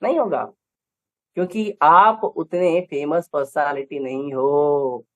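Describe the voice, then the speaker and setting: A man's voice: a little high, slow. A man with an Indian accent giving a scripture lecture, emphatic, with rhetorical questions and repeated lists. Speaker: preacher.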